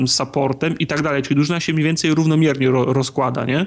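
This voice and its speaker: A man's normal speaking voice, fairly high in pitch. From Poland, Gdynia. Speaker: podcast co-host. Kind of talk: casual chat.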